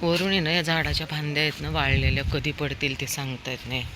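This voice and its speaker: A woman's voice: low voice, flat delivery, quick pace, noisy background. A woman chatting casually while walking a dog outdoors on a sunny street, calling out in a coaxing, sing-song way to a toddler and the dogs. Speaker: dog owner vlogger.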